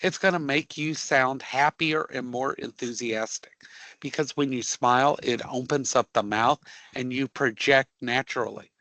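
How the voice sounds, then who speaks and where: A man teaching a live career prep class, emphatic and joking, often checking in with a quick "okay?". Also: mid-range voice, bright, forceful tone.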